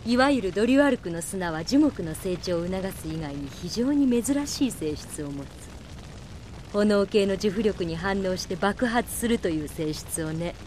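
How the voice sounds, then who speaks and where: A woman's voice: medium pitch, expressive, normal speed, a little mellow, a little hiss or hum, close to an everyday voice. A woman playing a bold, confident young fighter with an assured, spirited delivery in a radio drama. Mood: cool, taunting. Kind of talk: Japanese anime-style radio drama acting. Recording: music behind the voice.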